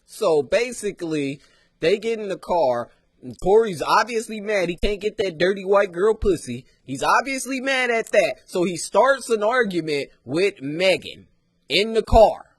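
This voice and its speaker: A man giving sarcastic, emphatic casual commentary as he pauses and reacts to a clip. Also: sits high, animated, breathy edge, no echo.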